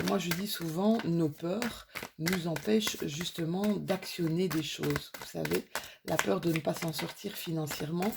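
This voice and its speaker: A woman's voice: deep voice, creaky, noisy background. A woman with a slight cold giving an intuitive card reading to her viewers in a soothing, reassuring way, with many fillers and restarts. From France. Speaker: tarot card reader.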